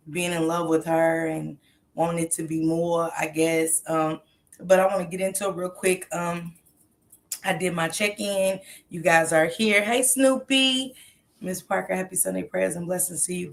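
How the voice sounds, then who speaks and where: A woman with a somewhat low voice and a stuffy nose, hosting a relaxed livestream. She talks straight to her viewers in a chatty, loose way, with plenty of ums. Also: gravelly. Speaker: true crime commentary host. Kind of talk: casual livestream commentary.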